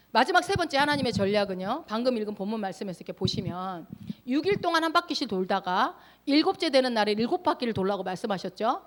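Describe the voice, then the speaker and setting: A woman pastor preaching a sermon, emphatic, often putting questions to the congregation. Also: on the high side.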